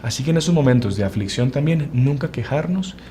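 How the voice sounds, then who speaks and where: A Uruguayan religious brother preaches with earnest conviction, his voice sitting in an ordinary middle pitch. He presses some points slowly and rushes through others. A faint background hiss stays under the whole talk. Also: expressive, mellow. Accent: Uruguayan Spanish. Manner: earnest, preaching, speeds up and slows for emphasis. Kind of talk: spiritual formation talk.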